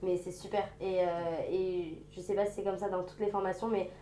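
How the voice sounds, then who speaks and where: A woman's voice: mid-range voice, level tone, fairly quick, warm tone, a little hiss or hum. Chatty woman guest, echoey room. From France. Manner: chatty, enthusiastic, keeps saying "c'est ça". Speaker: guest, stylist and actress. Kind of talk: casual interview chat.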